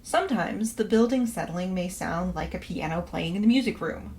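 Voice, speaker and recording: For a fiction podcast promo, an actress voices a polite, quirky woman professor reading aloud a scripted letter of house-sitting instructions in a businesslike, reassuring manner. Her female voice sits on the low side and has a darkish tone, with lively intonation at a moderate pace. Faint background noise and room ambience are audible.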